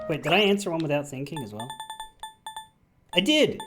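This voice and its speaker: Animated man doing casual gaming commentary. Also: on the high side. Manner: sardonic, sweary. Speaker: video game player. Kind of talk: casual let's play commentary.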